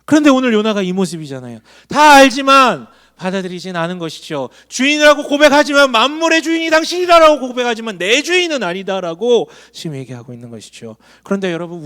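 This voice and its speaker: A man's voice: high-pitched, fairly bright tone. A man preaching a sermon to a congregation, emphatic and full of questions to the listeners. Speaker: pastor. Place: church hall.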